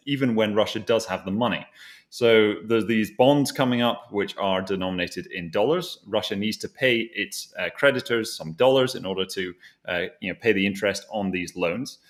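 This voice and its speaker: A man hosting a conversational financial discussion, explaining things as he goes and often rewording his phrases. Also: on the low side. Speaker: host asking a co-presenter for his thoughts.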